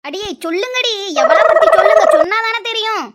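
A woman's voice: very high voice, lively intonation, a little fast, heavy background noise. A woman voicing a cautious, scolding village woman in a cartoon dub. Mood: scolding, wary. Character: wary, scolding village woman Shanthi, elder sister type.

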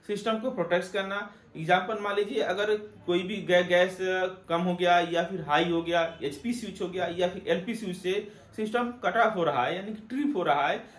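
A man's voice: high voice, fairly bright tone, roomy sound. A young man, host of a technician channel, explaining to the camera and asking himself rhetorical questions as he teaches. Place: indoor room with plain backdrop.

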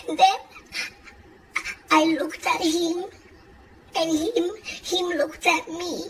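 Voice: extremely high pitch, little pitch movement, drawn-out words, long pauses, background noise, exaggerated voice. A performer voicing a boastful, dramatic Latina woman who mixes Spanish words into English and keeps laughing. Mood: dramatic gossip. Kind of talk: comic character monologue.

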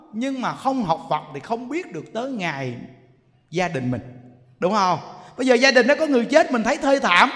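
High-voiced monk preaching. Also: male voice. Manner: animated storytelling with many repetitions, addressing listeners directly. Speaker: Buddhist monk teacher. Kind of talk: sermon. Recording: long reverb hall.

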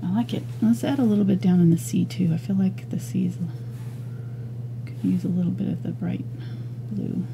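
A woman teaching an acrylic painting lesson, talking casually and thinking aloud as she works, with soft murmured asides. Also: fairly low pitch, normal speed, creaky, pauses often, noisy background. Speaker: painting instructor. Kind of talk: relaxed step-by-step art lesson.

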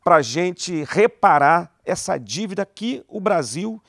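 An older man with a somewhat high voice talks into a handheld microphone in an interview. He is measured and assertive, and the sound is dry and close. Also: animated, vocal fry, no echo. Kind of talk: interview answer. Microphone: handheld interviewer mic.

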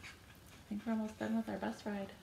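A woman in her thirties, a children's librarian, singing a picture book for babies at home in a slow, bouncy sing-song with sound effects. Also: medium pitch, level tone, creaky, reverberant, noisy background. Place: living room with a couch and a decorated wall.

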